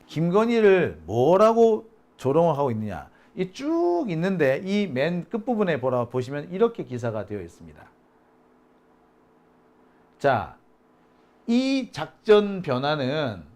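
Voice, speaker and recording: A man's voice: on the high side, darkish tone. A man hosting a live political commentary stream, talking in a combative, mocking way with bursts of swearing, and reading out viewer chat comments. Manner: combative, mocking, profane outbursts. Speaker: political commentary channel host.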